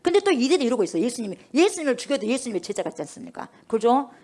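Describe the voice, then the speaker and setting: Woman pastor preaching, animated and questioning the congregation throughout. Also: a little high, rapid-fire. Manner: rhetorical questions, constantly addressing the congregation. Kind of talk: sermon.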